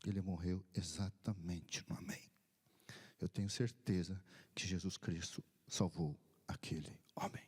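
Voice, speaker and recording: A man's voice: low voice, fairly even intonation, a little slow, darkish tone, husky. A middle-aged man, a pastor preaching a sermon through earnest stories with emphatic rises. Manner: earnest storytelling with emphatic rising peaks. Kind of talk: sermon storytelling.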